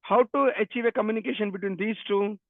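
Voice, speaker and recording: Speaking fast in a high, steady voice, a programming instructor from Telangana runs an interactive online technical lecture. Telugu is his native tongue, and his English carries a Telugu Indian accent. He repeats phrases and questions, often speaks to students directly, and the dry recording sounds like a narrow phone line.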